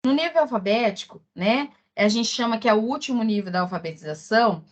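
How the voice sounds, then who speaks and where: A woman with a Brazilian Portuguese accent, lecturing as a teacher for exam preparation, explaining slowly with many fillers and repeated words. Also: fairly high pitch, lively intonation.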